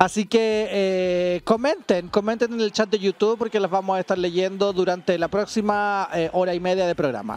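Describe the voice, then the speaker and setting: In a Chilean accent, a man with a high pitch talks at a moderate pace with fairly even intonation and hardly any pauses, and the sound is dry with no echo. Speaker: podcast co-host. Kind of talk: casual chat. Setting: live stream. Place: studio. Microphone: studio mic.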